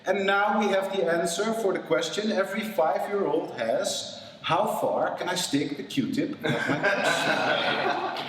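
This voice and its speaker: A man doing an amateur stand-up set with slow, deadpan delivery. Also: high voice, a little hiss or hum. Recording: echoey hall, distant mic, crowd.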